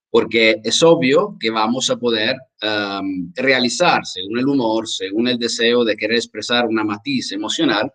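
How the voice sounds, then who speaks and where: Lively male live-stream language teacher. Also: mid-range voice. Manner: animated, speaks straight to the chat viewers. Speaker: online English teacher.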